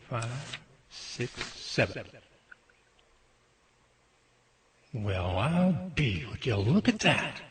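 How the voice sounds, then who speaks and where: A man playing an eager, jittery field researcher in an amateur radio drama, with a folksy, easily awed manner. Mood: awed, curious. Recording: noisy track with ambient rumble.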